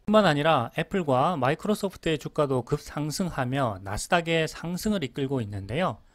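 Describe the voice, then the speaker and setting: A man narrating a finance channel in a brisk, explanatory scripted voice-over. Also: a little high, animated, dry recording.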